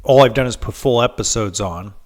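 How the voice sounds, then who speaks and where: A man's voice: lowish voice, a little fast. A man with a head cold hosting a podcast, telling a story in a casual monologue, full of ums and restarts. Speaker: podcast host.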